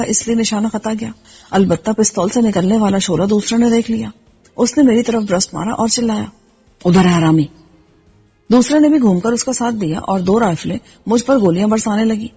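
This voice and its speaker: A woman reading a first-person action novel aloud in steady storytelling narration. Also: medium pitch, breathy edge. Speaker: audiobook narrator. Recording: slightly dull with faint music.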